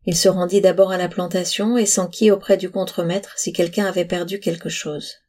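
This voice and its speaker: A woman reading a storybook aloud with calm, even narration. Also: fairly low pitch, a little fast.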